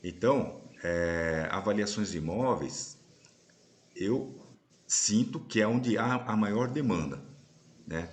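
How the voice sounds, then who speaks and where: A man with a very low voice hosts a relaxed live-stream conversation over a video call. He explains patiently and keeps asking his listeners whether they are following. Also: slow. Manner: explanatory, often ending sentences with "né?". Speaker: host and course instructor. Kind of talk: casual live-stream chat.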